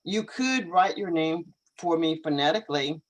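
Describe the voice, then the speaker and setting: A woman's voice: fairly low pitch, normal speed. Careful, encouraging woman teacher. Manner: careful, encouraging, clearly articulated. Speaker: English teacher hosting a live session. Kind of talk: live online English lesson chat.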